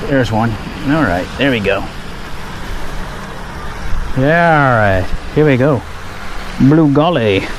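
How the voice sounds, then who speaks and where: A man talks his way through a fishing session in an easy, chatty voice at a middling pitch. He is outdoors by a park pond, recorded on a head-mounted action camera, with steady background noise under his voice. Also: slow pace, pauses often. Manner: relaxed, chatty, pleased exclamations at each catch. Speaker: fishing vlogger. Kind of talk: casual running commentary while fishing.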